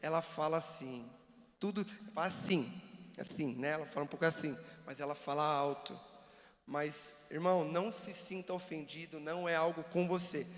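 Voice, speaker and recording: A man giving an animated, joking church seminar talk and acting out examples for the audience. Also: fairly high pitch, normal speed. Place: church hall. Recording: long reverb of a church hall.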